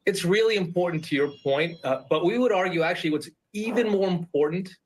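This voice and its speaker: A man appearing as a guest analyst in a business TV interview, explaining his points in a measured, step-by-step way. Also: high voice, rough recording.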